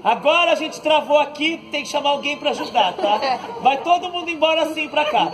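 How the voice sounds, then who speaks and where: A Brazilian man leading an outdoor stretching class, giving calm breathing cues and joking lightly as he moves the group through each pose. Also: extremely high pitch, a little fast. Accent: Brazilian Portuguese. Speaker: fitness instructor. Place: outdoor court, large open space. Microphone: far camera on the ground. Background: background music.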